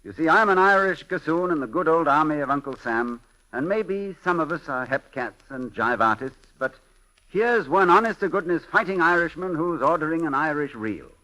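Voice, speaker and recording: A man hosting a 1940s radio show, reading letters in a brisk, jokey announcer's delivery. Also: a little high, bright, forceful tone, rough recording.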